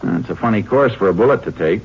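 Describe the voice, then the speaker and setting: An actor playing a steady, shrewd Texas Ranger investigator in a matter-of-fact, authoritative 1950s radio western style. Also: male voice, on the low side, fast talker, slightly rough. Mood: analytical. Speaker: lead actor and narrator. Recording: noisy, clicking, muffled 1950s radio recording.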